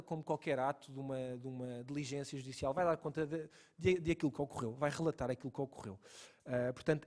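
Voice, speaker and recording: Portuguese guy explaining law in a lecture, kinda higher voice, says the main points twice. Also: darkish tone. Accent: European Portuguese. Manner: explanatory, repeats key points for emphasis. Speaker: lecturer and lawyer. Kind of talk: legal lecture.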